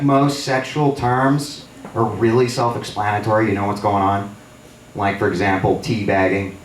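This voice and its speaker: A man performing a stand-up comedy set on a theater stage, telling stories with animated delivery and jumping into high squeals for the people he quotes. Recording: roomy, distant live theater recording with crowd laughter. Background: audience laughter.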